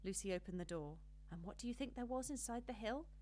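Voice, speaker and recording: A woman reading a children's storybook as an audiobook narrator, with an expressive, measured storytelling delivery. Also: on the high side, slight background noise.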